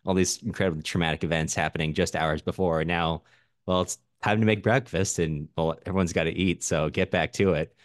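Very deep-voiced man chatting casually. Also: steady tone, dry recording, clean studio sound. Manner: halting, self-interrupting, informal. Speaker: podcast co-host. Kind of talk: casual book discussion.

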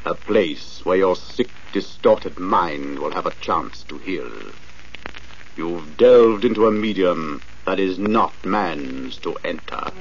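An actor playing a mysterious avenger in an old radio thriller, speaking as an unseen voice in a measured, commanding, stern manner. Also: male voice, sits low. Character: mysterious male avenger posing as a voice from the shadows. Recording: muffled old radio recording, faint noise.

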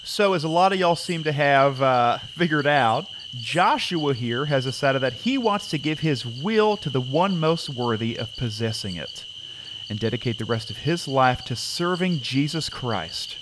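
A man's voice: mid-range voice, expressive, unhurried, noisy background, lightly acted. An actor playing an earnest camp preacher, folksy and solemn as he addresses his flock in an audio drama. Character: earnest male camp preacher leading a baptism.

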